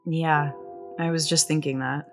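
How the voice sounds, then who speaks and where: A woman's voice: deep voice, steady tone, measured pace, faint music behind. A woman playing a stubborn, wry young searcher in an audio drama, guarded and battered. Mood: weary, wry.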